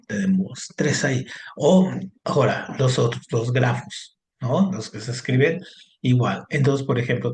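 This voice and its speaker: A man with a medium-pitched, darkish voice teaches an online class lesson in an explanatory way. He keeps checking in with his listeners, using many short questions and fillers.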